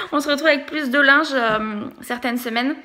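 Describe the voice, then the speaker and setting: A woman's voice: high voice, normal speed, bright, forceful tone, slight background noise. A young pregnant woman talking casually to camera in a family vlog, chatty and hesitant with many fillers. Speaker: vlogger and childminder.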